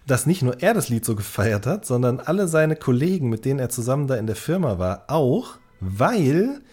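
Husky male podcaster chatting animatedly. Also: mid-range voice, sing-song, moderate pace, darkish tone. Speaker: podcast co-host. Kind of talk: casual unscripted podcast chat.

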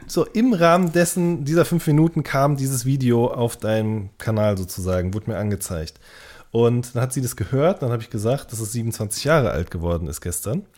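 A man's voice: medium pitch, brisk, a little mellow. A man co-hosting a podcast in casual, unscripted chat, explaining things in a rambling, searching way and often rephrasing. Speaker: podcast co-host.

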